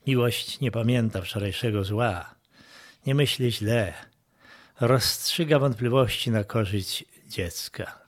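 A man reading a devotional text in a measured way, with some passages dropped to a hush. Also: medium pitch.

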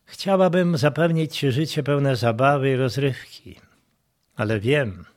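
A man reading a devotional text in a measured way, with some passages dropped to a hush. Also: medium pitch.

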